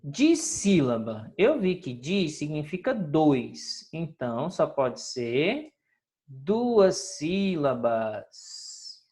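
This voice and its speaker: A woman teacher going over homework in a recorded lesson, patient and drawn-out, often checking in with her students. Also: low voice, very animated, warm tone. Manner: patient, drawn-out, sing-song teacher talk with frequent checks like "ok?".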